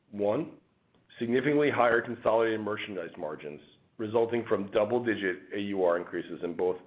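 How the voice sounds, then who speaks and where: A man presenting as a company finance executive, reading a scripted financial report in a formal, measured manner. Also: lowish voice. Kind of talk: scripted earnings-call presentation. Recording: dull, lo-fi conference call audio.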